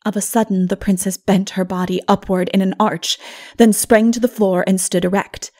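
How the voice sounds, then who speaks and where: A woman narrating a dark fantasy audiobook dramatically, in a solemn, measured manner that is hushed at times. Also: mid-range voice, flat delivery.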